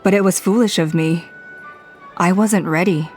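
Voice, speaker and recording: A woman's voice: fairly low pitch, moderate pace, darkish tone, natural voice. Woman playing a gracious, weary tribal elder. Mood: rueful. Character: older female tribal elder, gracious, weary, self-effacing leader. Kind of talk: video game voice acting. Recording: music playing behind the voice.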